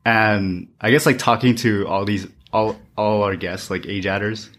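A young man from Taiwan whose first language is Chinese, co-hosting a podcast in a relaxed, halting chat full of fillers. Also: lowish voice. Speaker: podcast co-host. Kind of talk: casual chat.

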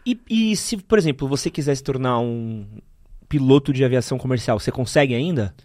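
A man hosts a podcast and fires off quick, eager questions in a casual tone. He talks fast at a middle pitch. The sound is dry and close. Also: expressive, a little mellow, dry recording. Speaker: podcast host. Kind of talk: casual interview chat.

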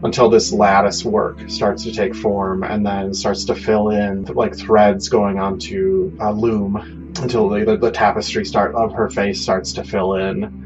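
A man running a tabletop game as game master, improvising narration in halting, repetitive phrases. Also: lowish voice, flat delivery, dull audio, music in the background.

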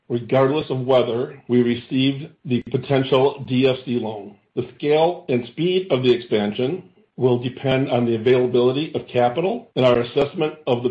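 A man, a company chief executive, reads a scripted earnings call presentation in a formal, measured way with deliberate phrase breaks. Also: medium pitch. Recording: dull, echoey conference call audio.

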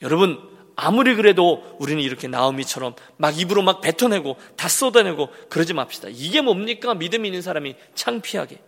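A man's voice: sits high, animated, brisk, fairly bright tone, in a large hall. A male pastor preaching a sermon, emphatic and repetitive, often asking the congregation questions. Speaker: senior pastor.

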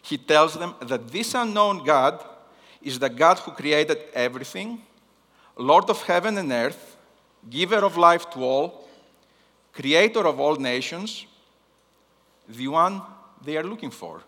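A man from Greece with a Greek accent, preaching a sermon in a deliberate way and repeating key phrases for emphasis. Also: a little high, lively intonation, bright, forceful tone. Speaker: guest missions preacher. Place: large hall, speaking to a congregation. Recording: long hall reverb.

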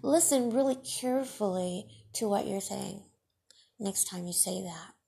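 A woman podcast host and radio broadcaster with Farsi as her first language, talking in a deliberate, emphatic monologue that scolds her critics. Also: medium pitch, creaky, mellow, husky.

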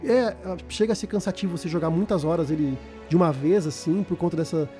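Fast-talking Brazilian man, higher-pitched voice. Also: warm tone, soft background music. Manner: informal, slangy, repeats words while searching for phrasing. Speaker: podcast host. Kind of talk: casual chat about video games.

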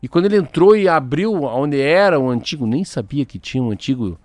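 Rambling man, animated chat. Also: on the high side, fairly quick, no room sound. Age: middle-aged. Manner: rambling, animated, stumbles and repeats words. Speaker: radio talk show co-host. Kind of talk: casual chat, commentary.

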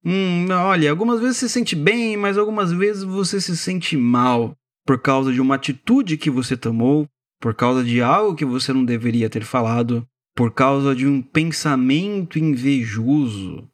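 A man's voice: mid-range voice, normal speed, few pauses. A man with a Brazilian Portuguese accent giving a casual Christian reflection as a podcast host, talking conversationally and putting rhetorical questions to the listener.

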